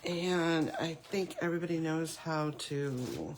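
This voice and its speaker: A middle-aged woman with a raspy voice, recovering from a cough, chatting casually through a live paper craft demo and apologizing for her computer trouble. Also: sits low, slow pace. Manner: chatty, apologetic, thinking aloud over tech trouble. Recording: echoey room with faint noise.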